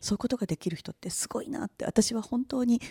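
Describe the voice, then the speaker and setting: In a dry, close sound with no echo, a woman with a dark, mellow tone speaks at a very fast pace, somewhat breathy and with lively intonation. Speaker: company president. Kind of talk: casual chat.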